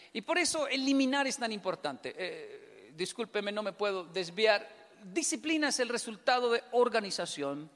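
A Colombian man telling funny stories to an audience and acting out both sides of each conversation. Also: high-pitched. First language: Spanish. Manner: animated storytelling, acts out both sides of dialogues. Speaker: speaker. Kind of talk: humorous talk to an audience. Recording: long hall reverb.

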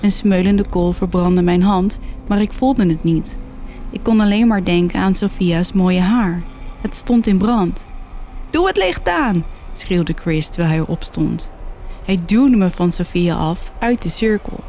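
A woman narrating a horror story in a steady, measured way. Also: on the low side, slight background noise.

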